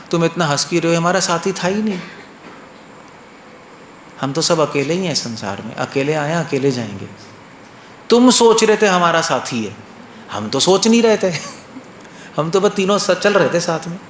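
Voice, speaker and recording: A man voicing a serene old monk who laughs everything off and explains his reasons in a calm, amused way. The voice sits a little higher than most men's. A roomy echo hangs around it over a faint hiss. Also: normal speed, pauses often. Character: cheerful laughing old male Buddhist monk.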